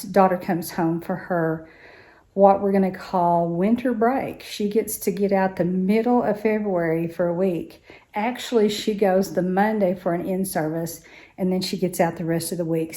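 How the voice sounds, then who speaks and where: A woman in later life, a retired teacher, chatting casually to her vlog viewers in a slightly hoarse voice and thinking aloud as she goes. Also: medium pitch, dark tone. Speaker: vlogger.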